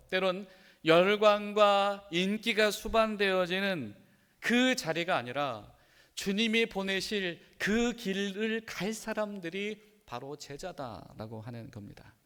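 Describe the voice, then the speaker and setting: A man's voice: high-pitched, fairly bright tone, clear, resonant tone. A male pastor preaching a sermon in a conversational way, with frequent rhetorical questions. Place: church sanctuary. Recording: long reverb of a church sanctuary.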